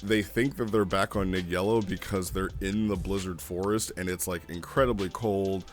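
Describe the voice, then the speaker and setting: Deep-voiced man, casual reviewer. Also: fairly even intonation, normal speed, soft background music. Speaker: host reviewing role-play logs. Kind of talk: casual rambling review commentary.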